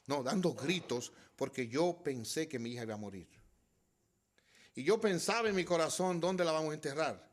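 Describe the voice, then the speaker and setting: A middle-aged man preaching a sermon as pastor, swinging between loud exhortation and quiet storytelling and addressing the congregation as brothers. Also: mid-range voice.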